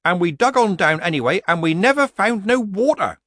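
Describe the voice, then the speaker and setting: A man voicing a timid, deferential male villager who speaks slowly and hesitantly. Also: high-pitched, lively intonation, fairly bright tone, dry recording, studio quality, pitched above the performer's own voice.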